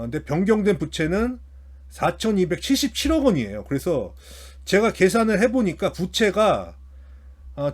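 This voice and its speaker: Here the finance commentary host's voice runs on the high side, slightly rough with a darkish tone. He talks through his analysis off the cuff, hesitant and prone to repeating and restarting what he says.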